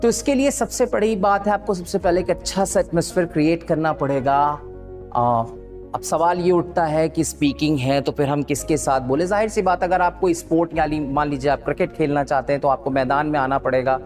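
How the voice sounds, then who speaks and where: A man's voice: a little high, a little mellow. A man with an Indian accent teaching spoken English, switching between Hindi and English with frequent fillers and restarts.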